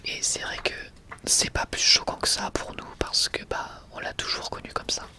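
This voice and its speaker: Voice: normal speed, sharp tone. An ASMR creator whispering breathily and close to the mic in a casual, rambling, enthusiastic way, often correcting themselves.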